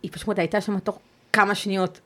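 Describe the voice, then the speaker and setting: A woman, a guest on an interview podcast, recounting a personal ordeal in a measured, halting way, pausing and restarting as she goes. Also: medium pitch, little pitch movement, fairly bright tone.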